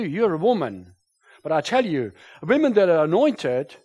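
High-voiced German-speaking pastor preaching. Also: male voice, slightly rough. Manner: animated, rising loud on scripture quotes, chuckles at himself. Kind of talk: sermon. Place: church.

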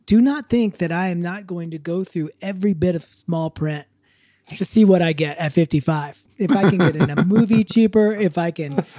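A man's voice: sits high, normal speed, dark tone, no room sound. Wry rambling man in his fifties. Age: 50s. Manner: rambling, self-correcting, wry. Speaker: podcast co-host, illustrator. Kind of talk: casual podcast chat.

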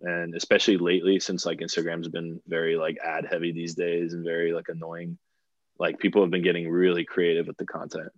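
A man's voice: sits low, monotone, brisk, no room sound. A young man from Bulgaria, a DJ guest on a podcast, talking casually and rambling with lots of "like" fillers and restarts. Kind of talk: casual interview chat. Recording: dull lo-fi sound.

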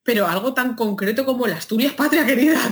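A woman's voice: a little high, fast talker. Madrid-accented woman, guest on an interview, chatty and emphatic, laughs a lot. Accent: Spanish, Madrid. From Spain. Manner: animated storytelling, laughs often, emphatic. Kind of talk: casual interview chat.

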